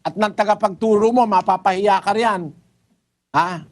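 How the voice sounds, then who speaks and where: A man's voice: high voice, moderate pace. A man, a preacher giving an emphatic, corrective Bible lecture to a caller, repeating his points and switching into English.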